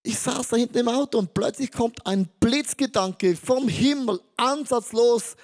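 A male pastor with a high voice delivers an energetic sermon. He tells stories about his family and acts out the dialogue. His voice jumps between loud and soft as he quotes people. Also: measured pace. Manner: animated, acts out quotes with shifting pitch and loudness.

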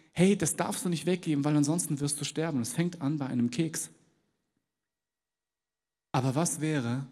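A man's voice: on the high side, mellow, in a large hall. A man preaching a sermon in a large church, talking straight to his listeners and acting out small everyday dialogues. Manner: conversational, addresses listeners directly, acts out little dialogues.

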